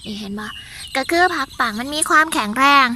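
A woman's voice: high voice, lively intonation, a little fast, noisy background. A woman with an Isan accent giving a chatty walking tour of her vegetable garden, exclaiming and talking straight to her viewers.

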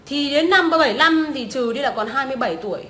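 Scornful, foul-mouthed young woman, bright voice. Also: sits high, animated, quick pace, a little hiss or hum. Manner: crude, scornful, swearing often. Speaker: vlogger. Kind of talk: profane ranting commentary. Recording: echoey room.

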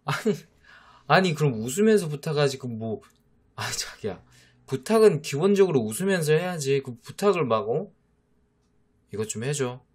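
A man's voice: medium pitch, a little slow, long pauses, husky. A man voicing a teasing boyfriend who coaxes and mock-scolds his jealous younger girlfriend, in a whispered role-play. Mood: playful scolding. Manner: teasing, coaxing, mock-exasperated. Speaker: voice actor.

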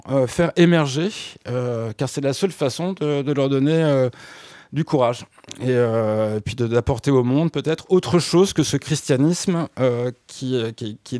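A man's voice: fairly high pitch, darkish tone, no room sound. Hesitant man on studio radio. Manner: hesitant, many restarts and fillers. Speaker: radio guest. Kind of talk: radio interview, explaining music history.

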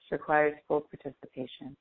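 A woman leading a guided meditation as a coach, speaking in a slow, deliberate, instructive manner with long pauses. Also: low voice, level tone, slightly rough. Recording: phone-like thin, band-limited audio.

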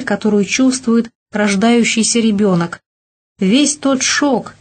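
Woman narrating an audiobook, steady measured read, breathy voice. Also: medium pitch. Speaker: audiobook reader. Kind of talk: scripted narration.

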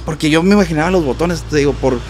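A man with a Mexican accent, a guest musician telling a story in a casual interview, animated and repetitive, sometimes mimicking notes with "ta ta". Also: on the high side, fast, a little hiss or hum.

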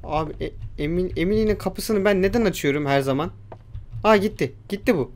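A man's voice: sits high, fairly quick. A young man giving casual let's-play commentary on a horror game, jumpy, swearing and talking back at the game's creatures. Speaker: gamer.

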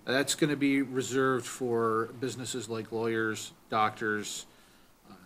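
Measured attorney man on a panel. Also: medium pitch, level tone, a bit bright, a little hiss or hum. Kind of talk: answering audience questions on a panel. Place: city council chamber.

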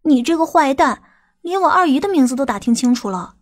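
A woman acting a female character in an audiobook crime drama, with a husky voice. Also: high voice, animated, a little fast. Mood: coy, pleading.

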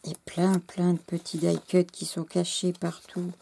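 A French woman hosting a scrapbooking channel, gushing in casual chat to camera, halting and losing her words, her voice going hoarse. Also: on the low side, level tone, mellow, a little hiss or hum.

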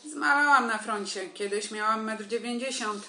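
An actress plays a stern female army major in a radio comedy. Her voice is bright and fairly high, with clipped, commanding, deadpan questions. It is a roomy home recording with some music. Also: moderate pace.

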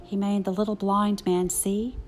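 Older female storybook reader, mid-range pitch, light music bed underneath. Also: level tone, measured pace. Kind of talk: children's picture book narration.

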